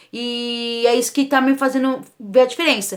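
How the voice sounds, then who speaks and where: A woman's high-pitched voice. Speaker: vlogger, mother of two. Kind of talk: casual vlog talk to camera.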